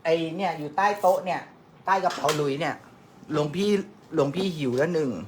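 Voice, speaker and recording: A woman's voice: sits low, a little fast, slight background noise. A woman doing makeup on a livestream, teasing and joking crudely while she works, laughing often. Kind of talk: casual livestream banter.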